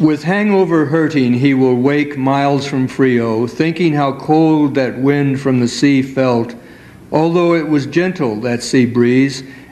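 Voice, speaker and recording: With a normal speaking voice, a man talks at a fairly slow pace and a fairly high pitch, keeping very even loudness and ordinary pitch variation. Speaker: poet and professor. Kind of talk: poetry reading. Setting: stage with audience. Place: hall. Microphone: podium.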